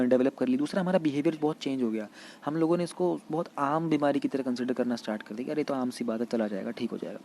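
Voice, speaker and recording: A man giving an exam-prep lecture in mixed Hindi and English. He reads English passages slowly, then explains them in Hindi. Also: mid-range voice, dark tone, slight background noise.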